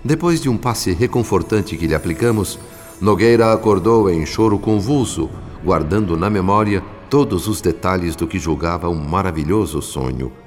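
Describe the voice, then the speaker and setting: Radio drama narrator: very low voice, solemn and benevolent, long reverb. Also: male voice, lively intonation, normal speed, darkish tone. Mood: solemn, serene. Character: solemn, benevolent male spirit narrator telling the story. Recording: long reverb, music behind.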